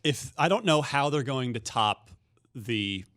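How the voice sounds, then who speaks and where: Animated middle-aged American man hosting. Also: medium pitch, a little slow. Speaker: podcast host. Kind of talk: casual panel chat.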